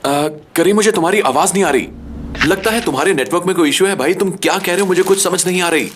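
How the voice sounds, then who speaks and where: An actor dubbing a mischievous young male friend who talks in a rapid, teasing way. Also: sits high, noisy background, natural voice. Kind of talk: dubbed TV drama acting.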